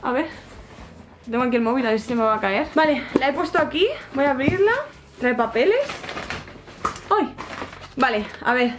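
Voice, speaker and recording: A young woman excitedly chatting through an unboxing, gushing and repeating herself as she squeals with delight. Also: high-pitched, moderate pace, long pauses, noisy background. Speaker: book and collectibles vlogger. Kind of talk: excited casual unboxing chat.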